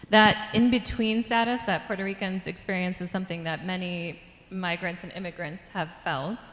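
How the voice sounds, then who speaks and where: A woman's voice: fairly low pitch, roomy sound, big-room sound, slight background noise. A woman journalist hosting an interview, framing long, prepared questions for an author. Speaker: guest host, journalist.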